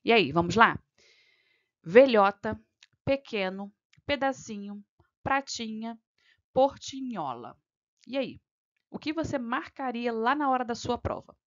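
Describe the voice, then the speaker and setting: A woman's voice: on the high side, very animated, measured pace, long pauses, a bit bright. A woman from Brazil tutors exam candidates through a grammar question, patient and methodical. She checks in constantly with her listener as she goes. The recording sounds a little dull and lo-fi. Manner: frequent "tá?" and "né?" checks, patient step-by-step explaining. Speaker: exam-prep teacher.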